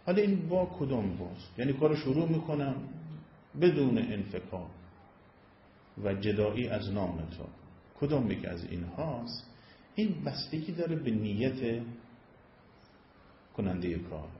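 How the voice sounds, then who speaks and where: A man's voice: expressive, pauses often, a little hiss or hum. A man explaining Arabic grammar as a religious teacher, in a patient lecturing manner, often lifting and dropping his voice for emphasis. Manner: explanatory, rises and falls in pitch for emphasis. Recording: echoey room, dull lo-fi sound.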